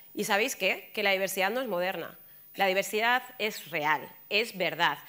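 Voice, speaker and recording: Her tone bright and sharp, a woman talks at a moderate pace with ordinary pitch variation. The background is quiet. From Spain, Alcorcón (Madrid area); Spain. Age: 30s. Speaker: journalist and columnist; speaker. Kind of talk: conference talk. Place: stage.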